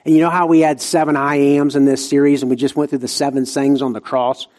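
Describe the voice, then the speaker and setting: A man's voice: medium pitch, flat delivery, quick pace, darkish tone. A man with an Appalachian, Southern US hillbilly accent preaching a sermon in emphatic short phrases, repeating himself and asking rhetorical questions.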